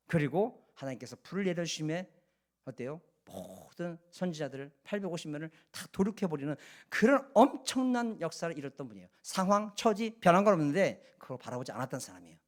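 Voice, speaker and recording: Male pastor with a high voice, emphatic sermon delivery, rhetorical questions to the congregation. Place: church sanctuary.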